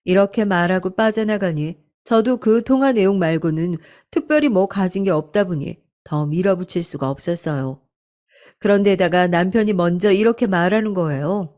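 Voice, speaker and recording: A woman's voice: on the low side, normal speed, darkish tone. Female storyteller for a radio-style true story; earnest, confiding first-person narration.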